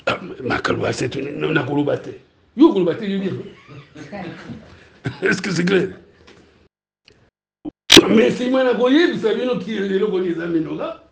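A man with a Congolese French accent preaching a sermon, teaching in lively bursts and often asking his congregation whether it is clear. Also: high voice, normal speed, pauses often, background noise. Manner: animated, asks the room if it is clear, laughs between points. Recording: roomy, echoey hall.

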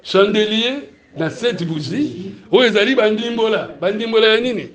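Congolese-accented male preacher, high voice, lively teaching sermon, keeps checking the room understands, roomy echoing hall. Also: moderate pace, dull audio, a crowd in the background. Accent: Congolese French. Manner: animated, asks the room if it is clear, laughs between points. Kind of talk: sermon mixing teaching and questions to the congregation.

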